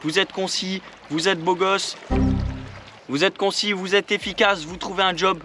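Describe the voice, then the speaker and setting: A man's voice: on the high side, pushed and bright, a little hiss or hum. A man giving upbeat, jokey tips in a casual vlog, talking to viewers as friends. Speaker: vlogger giving job tips.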